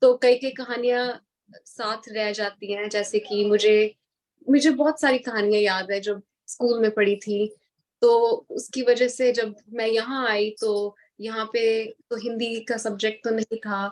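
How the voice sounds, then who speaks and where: Her intonation is flat and monotone. This woman's pitch sits fairly high. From born in Punjab, India, raised in Australia from age 8. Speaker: guest speaker, Hindi literature enthusiast. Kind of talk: presentation at online literary event. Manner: hesitant, many fillers.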